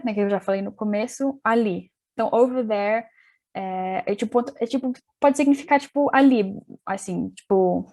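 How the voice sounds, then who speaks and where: A woman's voice: medium pitch, a little mellow. Chatty young woman teaching English. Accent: London English when speaking English. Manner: chatty, restarts often, spells words letter by letter. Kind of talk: casual online class explanation.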